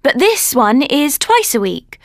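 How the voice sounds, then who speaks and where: A woman narrates in a clear, steady way. Her voice is somewhat high and full of movement. The recording is dry and close. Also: a little slow, no room sound. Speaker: speaker in a listening exercise. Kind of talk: scripted monologue.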